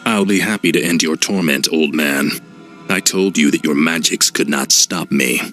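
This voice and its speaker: An actor playing a cold, arrogant young death knight in a video game. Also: male voice, very deep voice, normal speed, fairly bright tone, faint music behind. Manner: cold, clipped, sardonic. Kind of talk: video game cutscene acting.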